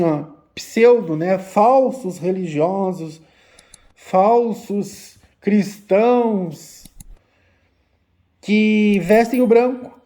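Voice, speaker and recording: A man, an umbanda teacher giving a slow, repetitive religious talk to his viewers. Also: high-pitched, dark tone. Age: 50s. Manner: slow, repetitive, addressing listeners as "gente". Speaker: umbanda spiritual teacher and channel host.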